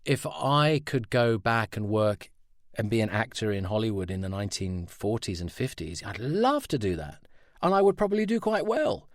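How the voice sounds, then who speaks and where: A man's voice: on the low side, expressive, normal speed, no echo, studio quality. A middle-aged man, a voice actor, talking candidly and outspokenly as a guest in a conversational interview.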